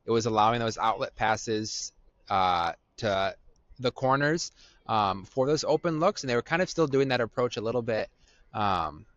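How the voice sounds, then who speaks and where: Measured man analyzing basketball defense. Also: medium pitch, expressive, a bit bright, no room sound. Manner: measured and analytical, with frequent "um" pauses. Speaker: podcast co-host. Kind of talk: sports analysis chat. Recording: dull, dry lo-fi audio.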